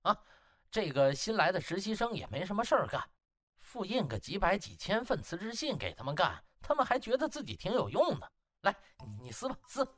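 A man's voice: sits high, sing-song, fairly quick, fairly bright tone, pitched above the performer's own voice, exaggerated voice. A man voicing a cocky young hospital section chief who taunts with slick mock politeness and sly chuckles. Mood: mock sympathy. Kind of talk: audiobook character acting.

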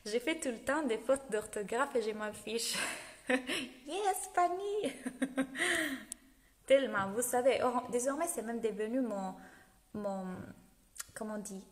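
Lively Italian-accented woman in an echoey room. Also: fairly high pitch, slow pace, long pauses. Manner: lively, laughs often, greets viewers' comments. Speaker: business coach. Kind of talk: live video talk to followers. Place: home room indoors. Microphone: phone held at arm's length. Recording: echoey room with long reverb.

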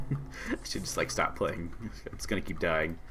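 A hoarse young man with a sore throat, casually commentating a game he is playing, reading on-screen messages aloud and answering them. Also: low voice, expressive, unhurried, music in the background. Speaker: gaming channel host. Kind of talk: casual let's-play commentary.

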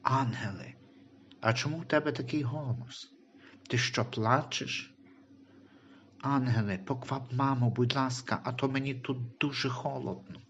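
A man voicing a timid, trusting unborn baby boy in a Christian audio story, speaking softly and questioningly. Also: mid-range voice, unhurried, lo-fi sound, a little hiss or hum. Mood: pleading.

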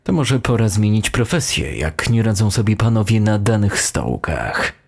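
Man voicing a low, unfriendly police detective. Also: sing-song, normal speed, darkish tone, husky, heavily acted. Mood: needling. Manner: formal, cool, needling. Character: unfriendly, dryly needling male police detective.

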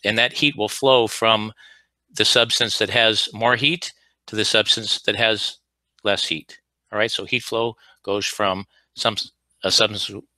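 A man's voice: fairly low pitch, sharp tone, no echo. A man teaching a live online class over slides, explaining at an easy pace with frequent fillers and restarts. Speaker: HVAC instructor.

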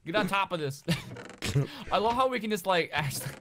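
A man's voice: high voice, lively intonation, very fast, pushed and bright, a little hiss or hum. A man co-hosting a gaming series, chatting casually and thinking aloud while he plays. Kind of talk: casual gameplay chat.

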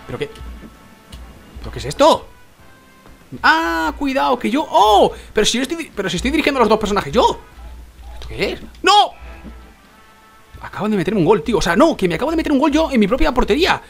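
A young man with a Spain Spanish accent, giving excitable gameplay commentary and repeating words in rapid bursts. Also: very high voice, creaky, soft background music. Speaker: gaming youtuber.

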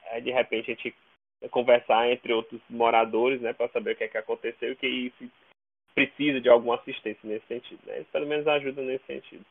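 A man with a Brazilian accent talks over a thin, phone-like connection. His pitch is ordinary and his delivery is halting, with repeated words. It sounds like a casual interview answer. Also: level tone, gravelly. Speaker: podcast guest. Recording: narrow, tinny phone-like call audio.

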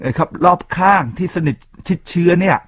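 Man, radio host, talk show monologue, husky voice, conversational asides. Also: sits high, fairly quick, fairly bright tone. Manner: chatty, frequent polite particles and asides to listeners.

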